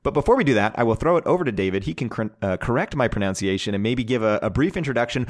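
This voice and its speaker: A man hosting a podcast, introducing a guest and asking questions in a chatty, enthusiastic way. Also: mid-range voice. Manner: chatty and enthusiastic, many fillers. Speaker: podcast host. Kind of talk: casual podcast chat.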